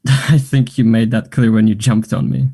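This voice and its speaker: A man's voice: lowish voice, steady tone, unhurried, warm tone, husky. A man acting a flirtatious, self-assured gay man in a naturalistic table read of a play, chatty and teasing. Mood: teasing, amused.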